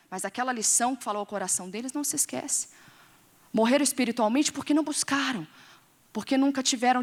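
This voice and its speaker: A woman's voice: on the high side, big-room sound. A woman with a Brazilian Portuguese accent preaching a sermon, questioning her audience and acting out voices.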